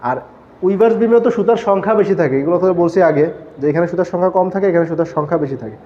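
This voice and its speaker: A man's voice: high-pitched, racing, dull audio. A man teaching a classroom lecture, explaining step by step and asking the class questions that he answers himself. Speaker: textile engineering lecturer.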